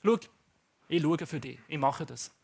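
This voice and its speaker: A man's voice: fairly high pitch, unhurried, creaky, husky, pitched below the performer's own voice, exaggerated voice. A man with a Swiss accent voicing a scheming queen who coaxes and reassures her sulking husband. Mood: coaxing. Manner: coaxing, reassuring.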